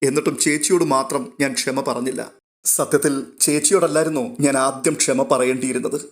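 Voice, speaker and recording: A man's voice: mid-range voice, steady tone, fairly quick, close to an everyday voice. A man doing a choked, remorseful young man. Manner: choked, apologetic.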